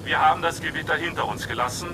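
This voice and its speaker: An actor playing a calm airline captain giving a formal announcement over the cabin loudspeaker, heard over engine rumble. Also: male voice, quick pace. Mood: reassuring. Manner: formal, smooth announcer delivery. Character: calm male airline captain addressing passengers.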